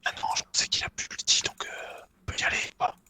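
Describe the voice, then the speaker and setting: A man whispering casual ASMR game chat in a breathy, unvoiced voice, with hesitant, trailing phrases. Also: quick pace, sharp tone. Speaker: co-player in a duo game. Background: computer keyboard clicks and typing.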